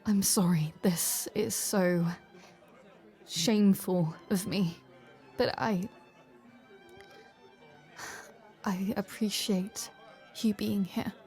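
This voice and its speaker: A woman acting an icy female war general who has softened with love, in an intimate audio drama. She speaks slowly and haltingly, often dropping into a breathy half-whisper, wistful and exposed. Music plays behind her voice. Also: medium pitch, fairly even intonation. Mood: sheepish. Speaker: audio roleplay voice actor.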